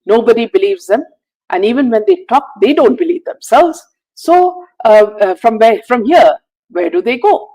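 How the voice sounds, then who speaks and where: Indignant woman, high lively voice. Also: moderate pace, low-quality recording. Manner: indignant, fires rhetorical questions, frequent "uh" and "you know". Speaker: host. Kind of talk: live-stream commentary reading viewer comments.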